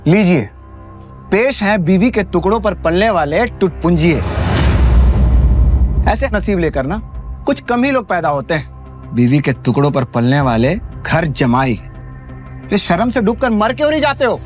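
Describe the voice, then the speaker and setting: A man's voice: high voice, big pitch swings, unhurried, long pauses, voice pushed up. A man playing a cruel, sarcastic young male cousin. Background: background music.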